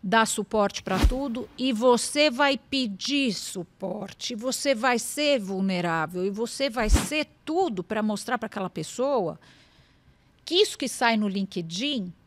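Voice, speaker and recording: A woman's voice: a little high, lively intonation, a little slow. A middle-aged woman with a Brazilian Portuguese accent speaks as a guest on an interview show. She talks earnestly and with emphasis, slipping into quoted dialogue as she tells her stories. The sound is dry and close, with no room echo. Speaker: lawyer and podcast guest. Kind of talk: conversational interview.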